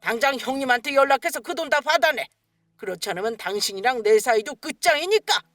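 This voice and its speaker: A stern middle-aged husband scolds his wife harshly in a story radio drama, played by a woman. The voice sits high and moves a lot, and the recording is dry and close. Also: expressive, fast talker, fairly bright tone, dry recording, faint music behind. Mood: angry.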